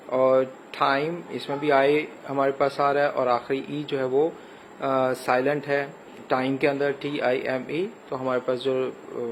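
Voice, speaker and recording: Man, Pakistani accent, English teacher, recorded lecture, spells words, hesitant pauses, faint noise. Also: mid-range voice, poor audio. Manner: explains step by step with frequent hesitations, spells words letter by letter.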